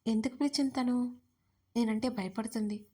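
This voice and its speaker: A woman's voice: fairly high pitch, steady tone, normal speed, mellow, husky. Woman doing a guarded young man, short answers, audio story. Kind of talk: audiobook romance reading.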